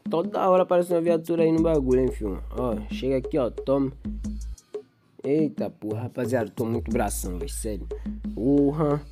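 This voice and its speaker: A man's voice: medium pitch, lively intonation, a little fast. A young Brazilian man with a Brazilian Portuguese accent casually narrating his gameplay, rambling in street slang and hyping up his viewers. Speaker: gaming YouTuber. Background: game music.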